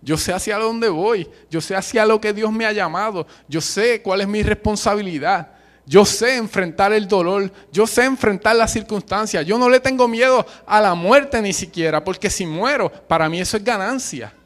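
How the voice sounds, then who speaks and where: Emphatic Puerto Rican preacher, high voice. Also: male voice, normal speed, a bit bright. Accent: Puerto Rican Spanish. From Puerto Rico. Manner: passionate, emphatic, uses colloquial slang and humor. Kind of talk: sermon.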